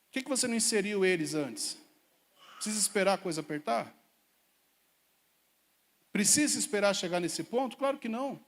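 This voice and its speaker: A man preaching a lively sermon as pastor to a church congregation, asking his listeners pointed rhetorical questions. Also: high-pitched, normal speed, pauses often. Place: church service hall. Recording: long hall reverb.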